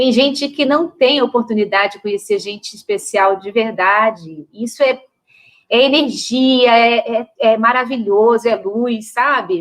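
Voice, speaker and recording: At a fairly slow pace, a woman with a fairly high pitch and warm tone shows big swings in loudness and ordinary pitch variation. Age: 50s. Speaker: podcast host. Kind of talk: interview conversation. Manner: warm, emotional.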